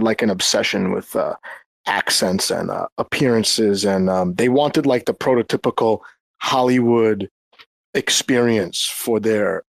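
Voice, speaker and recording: A man from New York, a guest in a casual group chat, talking in a halting way as he searches for words and restarts often. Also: fairly low pitch, vocal fry, dry recording. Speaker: guest, former English teacher.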